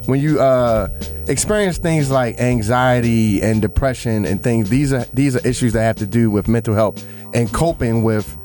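A man in his late thirties co-hosting a radio show in a studio, easygoing and quick to laugh. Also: mid-range voice, darkish tone, faint music behind. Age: 30s. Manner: laughs often, teasing, loose and easygoing. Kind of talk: casual studio banter.

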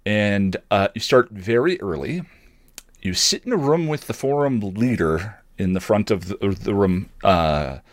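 A man telling a personal story as a podcast host, reflective and wry, halting now and then as he searches for words. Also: low-pitched, dry recording, clean studio sound.

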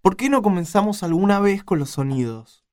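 A man playing a playful, excitable chapel helper in a radio drama, talking colloquially and insistently with a Rioplatense Argentine accent. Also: high-pitched, normal speed. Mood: excited, playful.

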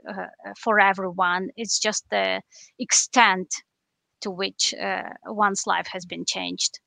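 A woman from Western Ukraine, Ukrainian native speaker, answering interview questions in a thoughtful, steady way from a basement over a video call. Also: medium pitch, creaky, no room sound. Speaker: journalist guest.

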